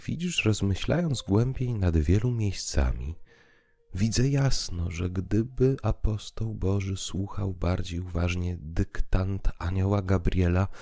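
A man's voice: low-pitched, vocal fry, a little mellow, dry recording, exaggerated voice. A man voicing a tearful, sceptical old dervish in an audio drama, lamenting with emphasis. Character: weeping old sceptical dervish, male, pious then blasphemous. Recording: piano music underneath.

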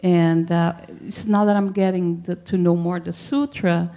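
A woman's voice: on the low side, steady tone, a little slow, mellow. A woman from the audience asking a question hesitantly, restarting and searching for words. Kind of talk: question from the floor. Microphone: handheld microphone.

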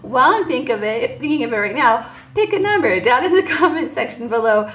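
A woman's voice: high-pitched, very animated, a little fast, fairly bright tone, reverberant. A woman in her forties, chatting casually to viewers about her budget while counting cash at a table. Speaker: budgeting vlogger. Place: indoors at a table. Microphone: voice heard over top-down table camera, hands only.

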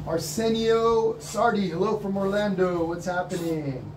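A man's voice: sits high, a little slow, background noise. Sniffly man teaching a painting lesson. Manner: relaxed, encouraging, reads out viewer comments. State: sniffly, slight cold. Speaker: painting instructor. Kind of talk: live-streamed painting lesson. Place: indoor art studio.

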